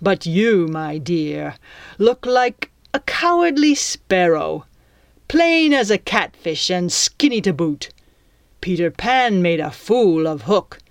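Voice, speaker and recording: A woman's voice: lowish voice, very animated, slow, no room sound, studio quality, heavily acted. A woman voicing a menacing male pirate captain in an audiobook, with a commanding, taunting, theatrical manner. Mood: quiet menace.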